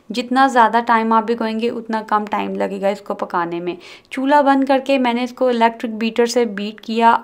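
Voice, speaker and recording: A woman host narrating a cooking video, calmly explaining each step and mixing in English words. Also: a little high. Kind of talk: recipe voice-over narration.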